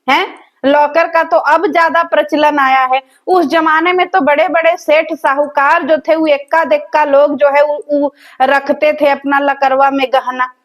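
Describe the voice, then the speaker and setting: A woman, hosting a reaction video and roasting the people in it in a mocking, sarcastic, scolding way. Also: sits high. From rural village in north India.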